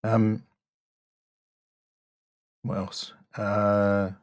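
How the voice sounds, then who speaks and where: A man with a fairly low voice speaks as a coach reviewing someone's work. He is frank and emphatic but encouraging, pausing to press his points. The sound is dry, with very little room. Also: level tone, no echo. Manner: blunt but encouraging, emphatic, deliberate pauses. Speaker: voice-over demo coach and reviewer. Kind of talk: spoken critique and coaching.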